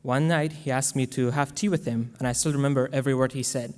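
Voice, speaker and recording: A young man from Afghanistan, giving an earnest, measured prepared speech as guest speaker to a school audience. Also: medium pitch, fairly even intonation, a little mellow. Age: young adult. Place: large school hall. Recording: long hall reverb.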